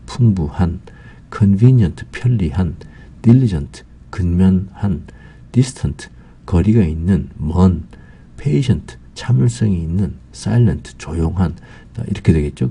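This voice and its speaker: Man, low-pitched, gravelly, dark-toned, slow patient teacher, native Korean speaker, vocabulary lesson, frequent fillers. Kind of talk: lecture.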